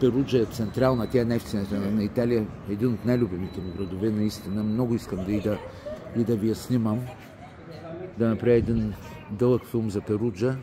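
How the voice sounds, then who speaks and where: Speaking at a moderate pace over noticeable background noise, the man has a medium pitch and ordinary pitch variation. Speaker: travel vlogger. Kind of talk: walking travel vlog. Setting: outdoors. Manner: casual, hesitant with fillers.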